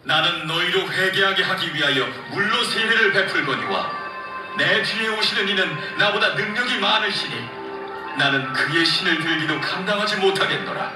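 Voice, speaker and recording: A man's voice: high-pitched, expressive, normal speed. An actor playing John the Baptist, a fervent male prophet, declaiming solemn scripture in a dramatized audio Bible. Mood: proclaiming. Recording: echoey, played from far off through speakers. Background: loud music.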